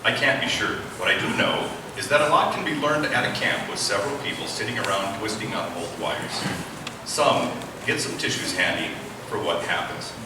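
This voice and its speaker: A man's voice: lowish voice, lively intonation, normal speed. A man giving a public talk and reading from his own book to a live audience, addressing listeners directly as an author and host. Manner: rhetorical questions to listeners. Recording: very echoey, noisy room from far off.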